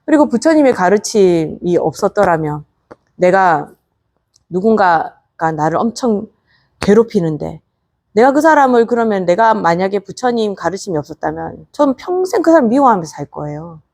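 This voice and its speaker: A woman's voice: mid-range voice, very animated, normal speed, darkish tone. A woman, a Buddhist nun, lecturing in a conversational way and often putting rhetorical questions to her listeners. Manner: coaxing rhetorical questions to the audience.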